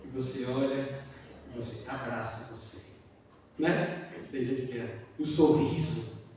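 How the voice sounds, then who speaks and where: A man with a Brazilian Portuguese accent preaching a sermon as a church elder, swinging between loud fervent exclamations and hushed earnest appeals. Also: medium pitch, fairly even intonation, takes it slowly, background noise. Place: church sanctuary. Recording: echoey hall, mic at a distance.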